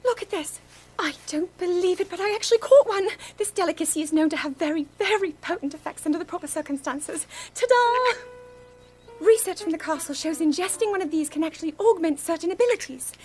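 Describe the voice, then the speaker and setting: An earnest young princess with a scholar's curiosity, her voice bright and high. She explains things carefully, with a clear orchestral score playing under her. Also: brisk, soft background music. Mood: excited. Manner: earnest, bursts into excitement. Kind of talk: video game cutscene voice acting.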